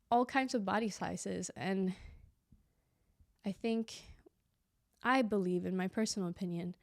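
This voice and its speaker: A woman's voice: lowish voice, a little mellow, no echo, clean studio sound. A young woman hosting a solo podcast in a reflective, conversational way, sounding a little stuffy and slightly lispy from a dental aligner. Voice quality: a bit lispy from a clear aligner. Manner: reflective, conversational, many fillers and asides. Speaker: podcast host. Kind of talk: casual solo podcast monologue.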